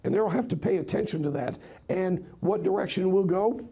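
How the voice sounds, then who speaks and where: An American man, hoarse and raspy from a cold, giving political commentary as a radio host guest in an interview. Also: high voice, fairly quick, warm tone. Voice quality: husky, raspy, strained.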